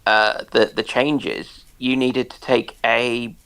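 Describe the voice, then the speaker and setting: Slow, gravelly man explaining haltingly. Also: mid-range voice, steady tone, a bit bright, poor audio. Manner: halting, searching for words, careful. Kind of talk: casual explanatory discussion.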